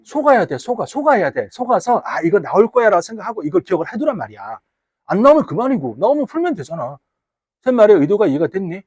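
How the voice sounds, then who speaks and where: A man from the Gyeongsang region teaching high school English in a classroom, chatty and teasing, bantering with his students. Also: very animated, fast talker, a little mellow, slightly rough, no echo. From Gyeongsang region, Korea. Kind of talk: casual classroom lecture. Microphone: wearable mic.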